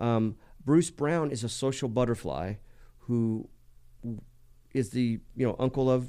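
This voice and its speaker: The voice carries a Californian accent, a dark, mellow tone and fairly even intonation. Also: man. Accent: Californian American. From Los Angeles area (South Gate). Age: 50s. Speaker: car performance shop owner. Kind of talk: casual chat. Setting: studio.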